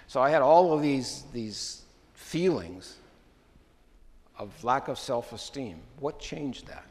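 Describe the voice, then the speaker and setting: A man's voice: mid-range voice, expressive, slow, darkish tone. Man preaching in a reverberant church. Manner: conversational storytelling, chuckles often. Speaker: pastor. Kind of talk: sermon. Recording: long hall reverb.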